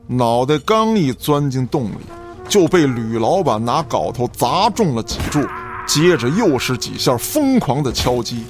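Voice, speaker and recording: A man's voice: medium pitch, gravelly. A man giving dramatic scripted narration for a radio play in a theatrical storytelling manner. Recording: music behind the voice.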